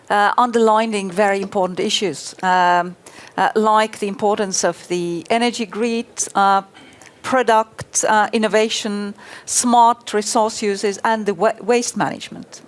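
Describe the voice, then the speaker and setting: A woman from Estonia moderating a panel discussion, speaking hesitantly with many filler sounds. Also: medium pitch.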